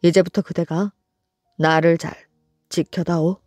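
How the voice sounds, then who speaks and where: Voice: mid-range voice, level tone, a little slow, a little mellow, dry recording, clean studio sound, faint music behind, lightly acted. A narrator voicing an anxious, ruthless older king who conquered a small country, in a bedtime storybook. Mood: uneasy.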